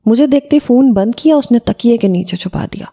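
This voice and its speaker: A woman's voice: on the high side, expressive, warm tone. A woman narrating a first-person audio story as a schoolboy.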